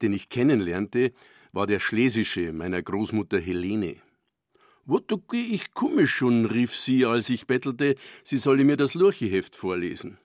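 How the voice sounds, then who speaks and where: Calm, low-voiced older German man reading. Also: no room sound, clean studio sound. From Bavaria, Germany. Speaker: dialect poet. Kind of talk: scripted personal radio essay.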